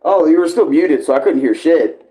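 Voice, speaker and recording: A man's voice: on the high side, expressive, moderate pace, warm tone, low-quality recording. A man giving casual live reaction commentary, slangy, exclamatory and full of swearing. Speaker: reaction streamer.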